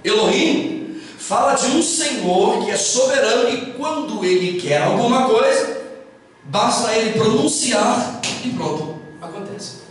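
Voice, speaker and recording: Brazilian male pastor, slow measured preaching, caught from a distance in a booming hall. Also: expressive, a little hiss or hum. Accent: Brazilian Portuguese. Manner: emphatic preaching, slow and deliberate, bursts of raised voice. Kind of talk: sermon. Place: church hall. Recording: echoey hall from far off.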